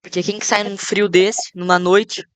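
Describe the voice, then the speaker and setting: A woman with a Brazilian accent in casual reaction chat, slangy and halting as she thinks aloud. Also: mid-range voice, level tone. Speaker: reaction video commentator.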